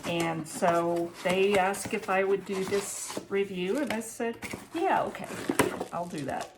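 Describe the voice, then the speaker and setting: A woman's voice: mid-range voice, takes it slowly, very noisy. A woman in her sixties talking casually to camera in a home kitchen, plain-spoken and practical, as a vlogger giving advice and reviews. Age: 60s. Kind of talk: casual talk to camera about preparedness and a product review.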